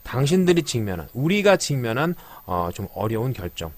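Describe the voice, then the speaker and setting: Lively-voiced male pronunciation teacher. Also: medium pitch, no room sound. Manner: explains patiently, slowly repeating English phrases with stress; frequent filler affirmations. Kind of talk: spoken language lecture.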